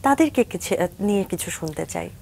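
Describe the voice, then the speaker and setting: A woman co-hosting a morning TV talk show, asking questions and giving soft, attentive replies. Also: medium pitch, lively intonation, fairly quick, gravelly. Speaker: co-host. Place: TV studio.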